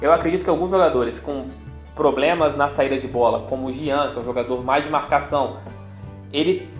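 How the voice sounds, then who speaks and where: A man talking at a fairly quick pace with ordinary pitch variation, audible room echo and faint music in the background. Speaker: sports commentator. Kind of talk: commentary. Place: home room. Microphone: lapel.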